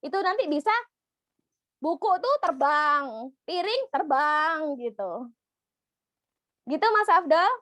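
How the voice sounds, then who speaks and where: A woman psychologist answers questions in an online talk, speaking in a lively way and acting out other people's voices. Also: high voice, takes it slowly, long pauses, no echo. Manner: lively, acts out the voices of children and clients. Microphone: video call.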